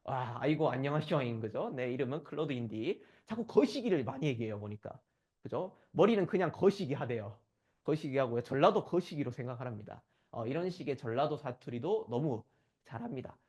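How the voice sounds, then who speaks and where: This conference speaker, a man from Gyeongsang in South Korea, keeps asking his listeners to agree with him throughout the lecture. He speaks briskly in a warm, medium-pitched voice whose pitch swings widely.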